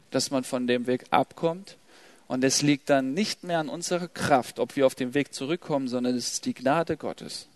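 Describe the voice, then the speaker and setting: A man preaching to young people, emphatic and urgent, then dropping to a soft, quiet prayer. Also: a little high, dry recording. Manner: emphatic, swings from loud exhortation to soft prayer. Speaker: youth preacher. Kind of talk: sermon.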